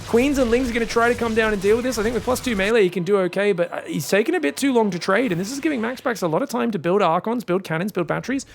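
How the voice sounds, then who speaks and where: A high-voiced man casting a real-time strategy match with lively energy. He talks casually and excitedly, piling up calls of the action. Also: very fast, vocal fry, few pauses, slight background noise. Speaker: esports caster. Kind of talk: excited live game commentary.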